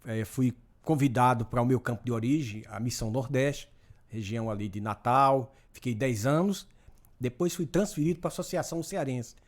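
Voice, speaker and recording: A pastor from Rio Grande do Norte with a Northeastern Brazilian accent, calm and brief as a radio studio guest. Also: male voice, mid-range voice, moderate pace. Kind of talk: casual radio interview.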